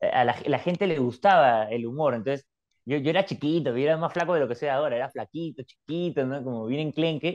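At a fairly quick pace, a man talks in a fairly high pitch with ordinary pitch variation against a quiet background. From Peru, Lima (San Miguel); Lima, Peru. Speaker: comedian and stand-up teacher; comedian, stand-up teacher. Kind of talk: interview. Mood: relaxed, smiling storytelling. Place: home room. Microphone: video call.

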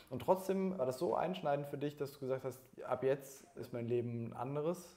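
At a moderate pace, a man with a dark, mellow tone and a fairly high pitch speaks with ordinary pitch variation and big swings in loudness. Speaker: interviewer. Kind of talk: interview questions. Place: office. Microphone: lapel.

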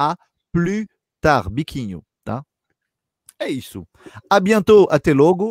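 Against a quiet background, a man with a French accent speaks at a very slow pace. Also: dry sound with no echo. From France. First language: French (speaking Portuguese). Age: 30s. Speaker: French teacher. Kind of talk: casual chat. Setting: livestream. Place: home room. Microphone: webcam.

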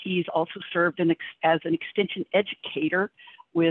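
A woman with an unremarkable speaking voice and a fairly low pitch speaks with fairly even intonation, the sound dry with no echo. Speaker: webinar host. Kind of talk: introduction of a guest speaker. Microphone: video call.

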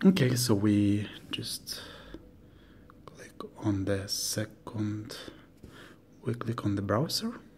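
A man talks at a very slow pace, with long, frequent pauses and fairly even intonation. His fairly low, somewhat breathy voice sits over light background noise. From Lithuania. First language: Lithuanian. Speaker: tutorial video maker. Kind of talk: tutorial. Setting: screen recording voiceover. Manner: halting, hesitant. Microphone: phone near.

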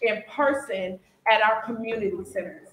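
Lively intonation at a fairly slow pace, with audible room echo and light background noise. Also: woman. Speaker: city social services representative. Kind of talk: public presentation. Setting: community center workshop with live audience. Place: meeting room.

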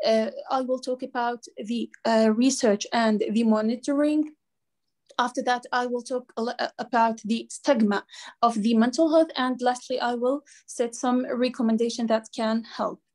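Against a quiet background, a woman speaks with an Arabic accent at a high pitch. Her pace is fairly slow and her intonation fairly even. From Palestine (Gaza); Palestine. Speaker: doctor; presenter. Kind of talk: panel presentation. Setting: video call. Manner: halting. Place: home room. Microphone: video call.

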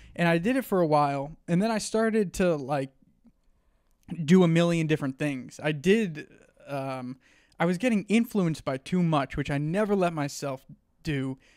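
In a normal speaking voice with a fairly high pitch, a man talks at a moderate pace with lively intonation on a very clean recording with a silent background. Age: 20s. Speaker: stand-up comedian and podcaster. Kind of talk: interview.

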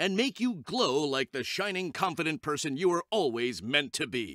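A man's fairly high, bright, sharp voice with vocal fry and very wide pitch swings, at a moderate pace, on a very clean recording with a silent background and a dry, close sound with no echo. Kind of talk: infomercial announcer voiceover.

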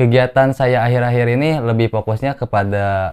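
Behind the man, the background is quiet. He speaks at a moderate pace, his intonation fairly even. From Indonesia, Bandung (West Java); West Java, Indonesia. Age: 20s. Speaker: student activist; interviewee. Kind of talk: casual interview. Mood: relaxed casual chat. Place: home room.

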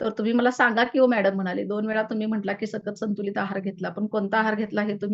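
A woman's fairly high-pitched voice in a flat monotone. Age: 40s. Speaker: shop owner sharing a nutrition testimonial. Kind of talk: testimony.

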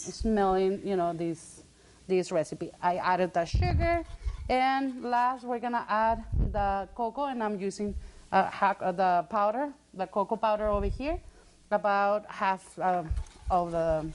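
With lively intonation and few pauses, a woman talks at a fairly slow pace in a medium-pitched voice.

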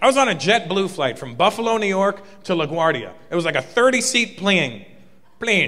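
Projecting a raised voice at a moderate pace, a man swings his pitch very widely. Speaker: stand-up comedian. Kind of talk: stand-up comedy routine. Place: stage. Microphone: handheld.

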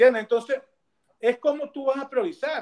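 A man talks against a quiet background. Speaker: baseball academy director, former pro player; guest. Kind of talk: interview. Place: home room. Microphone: earbuds.

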